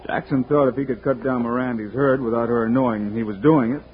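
A man playing a calm cowboy lawman hero. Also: mid-range voice, lightly acted. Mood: steady. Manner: calm, measured. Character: calm steady male frontier lawman hero. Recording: tinny old radio transcription, faint hiss.

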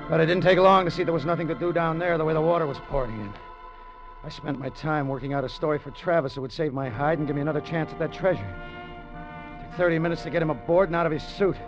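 A man's voice: fairly high pitch, fast talker, close to an everyday voice. A man playing a hard-boiled sailor turned killer. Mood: tense. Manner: hard-boiled first-person narration. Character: desperate treasure-hunting sailor who killed a man. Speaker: narrator and lead character. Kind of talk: 1940s radio drama acting. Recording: dull old radio broadcast with music.

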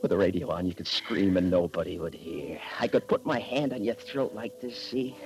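An actor playing a drunken, menacing private detective in a 1940s radio drama, slurring and swinging between tenderness and threats. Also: male voice, low-pitched, normal speed, close to an everyday voice. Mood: brooding. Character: drunken hard-boiled male private eye, menacing.

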